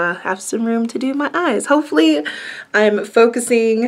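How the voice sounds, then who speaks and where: Her pitch varies in an ordinary way as the woman speaks at a moderate speed. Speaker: beauty vlogger. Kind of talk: casual vlog chat. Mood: cheerful, giggly. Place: home room. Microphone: phone near.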